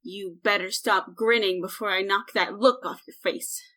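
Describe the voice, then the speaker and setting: A woman's voice: medium pitch, steady tone, normal speed, sharp tone. A woman playing a sardonic, blunt, easily irritated ordinary human in an audio drama.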